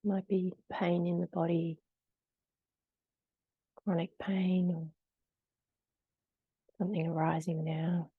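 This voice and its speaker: A woman leading a guided meditation in a gentle, soothing, unhurried way with long pauses between short phrases. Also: on the low side, little pitch movement, breathy edge, no echo, phone-quality sound.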